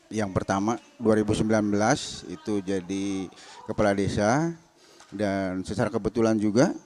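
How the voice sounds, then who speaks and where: A middle-aged man, a village head answering as a talk show guest, halting and repeating his phrases. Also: on the low side, a little mellow, slight background noise. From Kuningan, West Java. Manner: halting, repeats phrases, says "Pak" often.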